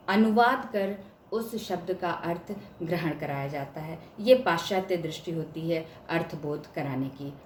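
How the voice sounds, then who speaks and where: A woman lecturer talks through a lesson at an even, mid-height pitch, leaning on key words as she gives examples. Her voice rings in an echoey room over a faint hiss. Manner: explanatory, stresses words to show examples. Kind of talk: academic lecture.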